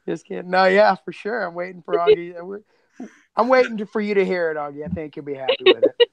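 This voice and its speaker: A man co-hosting a podcast, chatting casually in an animated, joking way. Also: high voice, quick pace, vocal fry, lo-fi sound. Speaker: podcast co-host and producer.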